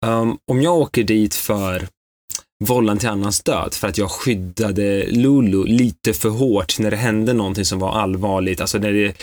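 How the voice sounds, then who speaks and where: A man with a somewhat low voice co-hosts a relaxed conversation. He tells stories with lively energy and slips into quoted voices as he goes. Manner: animated storyteller who acts out quotes. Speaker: podcast co-host. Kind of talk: casual chat.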